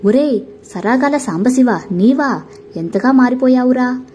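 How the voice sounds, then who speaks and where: A woman voicing a loud, excited middle-aged village uncle who calls out heartily. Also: mid-range voice, normal speed, dull audio, a little hiss or hum, natural voice. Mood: hearty.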